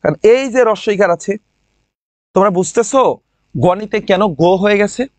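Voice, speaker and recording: High-voiced young man tutoring in Bangla. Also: no room sound. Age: young adult. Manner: repeats questions and answers, drawing out example words slowly; addresses students by name from live comments. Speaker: online Bangla grammar tutor. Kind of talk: live online class, explaining rules and quizzing students.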